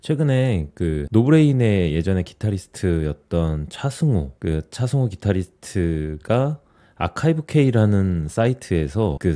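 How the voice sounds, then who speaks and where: A man in his forties reads a long essay aloud into a studio microphone in a small home studio room. His voice sits a little low and sounds very dark and mellow. His reading stays calm and earnest. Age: 40s. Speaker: YouTube host. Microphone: studio mic on boom, headphones.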